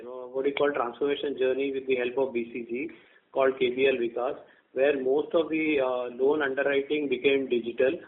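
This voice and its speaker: A man with an Indian accent answering as a bank executive on a conference call, halting and repeating words as he explains in a semi-formal way. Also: medium pitch. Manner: halting, hesitant delivery with word repeats. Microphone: telephone conference call. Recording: thin, narrow-band phone conference line.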